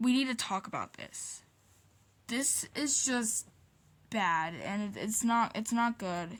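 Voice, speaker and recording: A woman speaks very slowly in a fairly high, somewhat breathy voice, on a very clean recording with a silent background. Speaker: gaming YouTuber. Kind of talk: commentary video. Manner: halting; hesitant.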